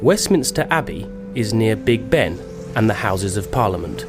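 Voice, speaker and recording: A man reading a slow, clear, scripted narration for English learners. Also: on the low side, big pitch swings. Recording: narration over loud music.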